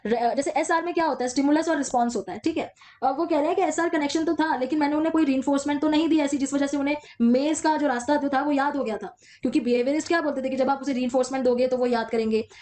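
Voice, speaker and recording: A woman teaching an exam-prep class at a brisk clip. She works through the material step by step and slows down to read English textbook lines between her own explanations. Her voice sits high. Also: mellow.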